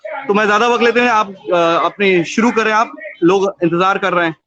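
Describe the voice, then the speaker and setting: A man's voice: high voice, sharp tone, no echo. Man on a breaking-up online call. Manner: hesitant, with many drawn-out fillers. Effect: online call audio breaking up and cutting out. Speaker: team member introducing a guest in an online session. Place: outdoors, partway along a route. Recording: dull, faintly noisy online call.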